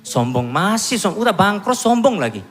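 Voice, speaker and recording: A man in his thirties from Korea, giving a self-mocking, animated church testimony. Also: high voice, moderate pace. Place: church hall. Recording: long hall reverb with music behind.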